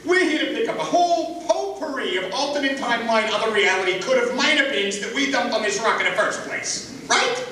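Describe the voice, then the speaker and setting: Cynical smart-mouth rat bot, cartoony, big echoey room, noisy and far off mic. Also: male voice, very high-pitched, expressive, a little fast, sharp tone, full character voice. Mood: wry. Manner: sarcastic, slangy, griping. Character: wisecracking cynical male robot rat, streetwise grumbler. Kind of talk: live dramatic script reading, cartoon character acting.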